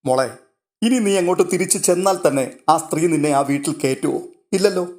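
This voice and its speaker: A man voicing a calm, protective old grandfather who soothes his granddaughter in a read-aloud story. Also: fairly high pitch, brisk, close to an everyday voice. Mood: soothing.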